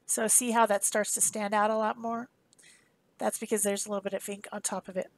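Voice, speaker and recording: A woman's voice: mid-range voice, flat delivery, fairly quick, dry recording. A woman giving a casual, chatty voice-over for a craft demonstration, explaining informally as she goes. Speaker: craft tutorial host.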